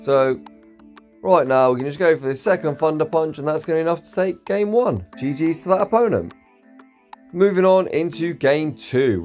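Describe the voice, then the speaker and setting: A man giving gameplay commentary for his video channel, tired and a little croaky, explaining each move in a steady play-by-play. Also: mid-range voice. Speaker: YouTube creator.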